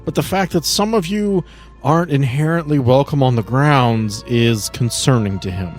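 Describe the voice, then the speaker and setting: A man's voice: medium pitch, moderate pace, soft background music. A man narrating a tabletop roleplaying game as the game master.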